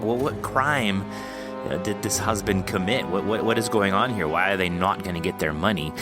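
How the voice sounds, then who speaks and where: A man's voice: deep voice, bright, forceful tone. A man hosting a podcast in a casual, effusive, rambling and jokey interview style. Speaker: podcast host.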